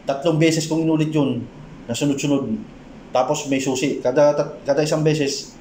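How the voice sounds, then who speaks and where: A man with a slightly high but mellow voice recounts a healing story, pausing, restarting, and searching for words. He sounds calm and earnest. Faint noise sits behind him. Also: roomy sound. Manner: slow, halting, with many pauses and restarts; drops low and soft when quoting his prayers and advice. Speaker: folk healer sharing a story. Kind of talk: storytelling monologue.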